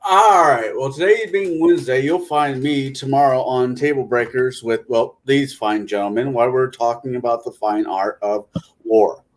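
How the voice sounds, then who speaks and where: A man's voice: medium pitch, moderate pace. A man chatting casually and informally as a guest on an online panel. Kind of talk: casual chat.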